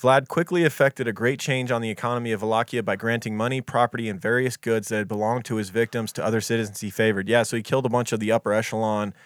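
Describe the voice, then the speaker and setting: A man's voice: on the low side, fairly even intonation, quick pace, few pauses, no room sound. A man co-hosting a true crime podcast, reading history from notes in a casual, offhand way and tripping over foreign names. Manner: reads dates and quotes, stumbles on foreign names, swears casually.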